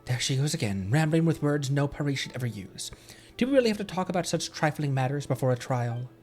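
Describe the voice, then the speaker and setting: A man's voice: a little high, expressive, fast talker, darkish tone, faint music behind, lightly acted. A man voicing a haughty, impatient fantasy game character, dismissive and muttering as he reads the dialogue.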